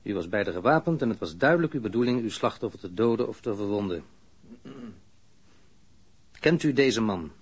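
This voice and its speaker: An actor playing a composed, authoritative police investigator in a radio drama, speaking formally and insistently. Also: male voice, on the low side, animated, normal speed, pauses often, husky. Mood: formal, probing. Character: stern, composed male police investigator, probing and dryly authoritative. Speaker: police interrogator. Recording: noisy archived radio drama recording.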